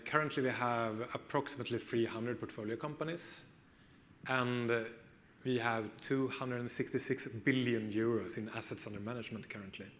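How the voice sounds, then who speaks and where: A man with a Swedish accent presents on a conference stage in a middle-pitched voice. He explains things steadily, with a few ums along the way, and a faint hum of the hall sits behind him. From Sweden. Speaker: conference speaker. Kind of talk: conference talk.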